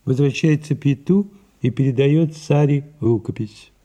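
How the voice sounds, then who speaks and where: A man reading the stage directions of an audio drama in a measured, even delivery. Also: medium pitch. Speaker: narrator.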